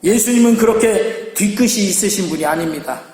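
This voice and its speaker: High-voiced Korean pastor in echoey hall. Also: male voice, brisk, darkish tone. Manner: emphatic preaching with acted quotes. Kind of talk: sermon.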